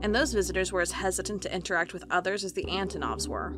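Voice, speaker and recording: A woman's voice: on the low side, quick pace, music in the background, close to an everyday voice. A woman playing a wry young office worker in an audio drama, talking casually and reading aloud in a conversational way. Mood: earnest, storytelling.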